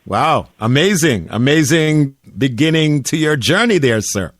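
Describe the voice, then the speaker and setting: A man's voice: a little high, expressive, measured pace, fairly bright tone, no echo, studio quality. Laid-back radio host man. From Jamaica. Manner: laid-back, frequent "uh" fillers. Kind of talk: casual radio interview. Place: radio studio.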